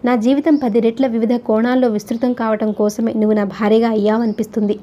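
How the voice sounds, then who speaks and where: A woman's voice: flat delivery, fast talker, lo-fi sound, close to an everyday voice. Woman reading as an earnest young husband. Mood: resolute. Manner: gentle but firm, low and earnest.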